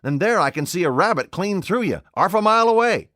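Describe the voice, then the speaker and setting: A man voicing an excitable old English tramp who blusters and fumbles his words in an audiobook. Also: sits high, fairly quick, dry recording, clean studio sound, voice pushed up. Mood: bewildered. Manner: blustering, flustered, dialect-heavy. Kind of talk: audiobook character voice.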